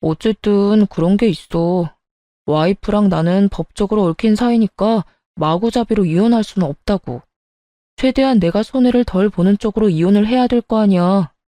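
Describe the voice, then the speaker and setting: A woman's voice: mid-range voice, moderate pace, dark tone, no echo, close to an everyday voice. A woman playing a curt cheating husband. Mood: dismissive. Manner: curt, dismissive. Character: cheating husband, dismissive and self-serving. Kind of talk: story narration with acted voices.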